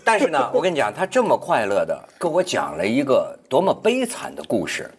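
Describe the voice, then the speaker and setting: Animated man telling stories. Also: medium pitch, a little fast, a little hiss or hum. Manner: animated storyteller, stammering restarts, laughs while talking. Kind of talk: casual round-table chat, storytelling.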